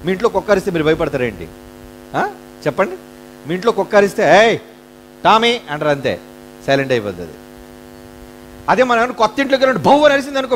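A man's voice: high voice, a little hiss or hum. A man preaching a sermon in a dramatic storytelling way, acting out the voices in the stories. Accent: Telugu.

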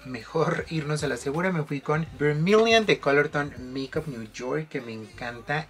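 Chatty male makeup vlogger. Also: a little high. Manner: chatty, affectionate, mixes in English phrases. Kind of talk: casual makeup tutorial.

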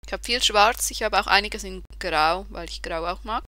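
A podcast co-host in their thirties from Switzerland talks in a relaxed, wry way, often correcting themselves mid-sentence. The voice is bright and a little tense. The recording is dry and close. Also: mid-range voice, moderate pace, no echo. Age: 30s. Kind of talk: casual podcast chat.

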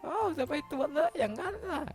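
A man putting on a squeaky, high voice as an excitable young male game hero, narrating his play and yelping and cursing when startled. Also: fast, soft background music. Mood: excited. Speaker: game caster. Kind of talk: playing and narrating a block-building game in a put-on voice.

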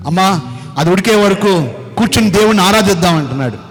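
A man's voice: sits high, expressive, quick pace. A man preaching as a pastor, retelling a video clip to his congregation in a storytelling way. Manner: storytelling, asks the audience to watch. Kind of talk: Telugu sermon narrating a video clip.

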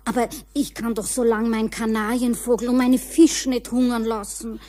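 An actress playing a friendly, coaxing middle-aged neighbour with a husky voice in a children's audio play. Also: female voice, on the high side, little pitch movement, moderate pace, warm tone, close to an everyday voice. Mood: coaxing, reassuring.

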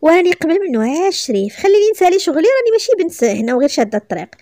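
A woman's voice: very high voice, sing-song, racing, dry recording, studio quality, voice pushed up. A woman voicing a proud young woman who answers back sharply, in a read-aloud story. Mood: indignant. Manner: defiant, sharp retorts.

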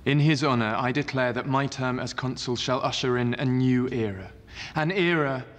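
An actor playing a cold, self-possessed young Roman consul, delivering formal, deliberate political oratory in a screen drama. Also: male voice, mid-range voice, close to an everyday voice. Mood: solemn, resolute. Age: young adult. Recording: echoing hall, background noise.

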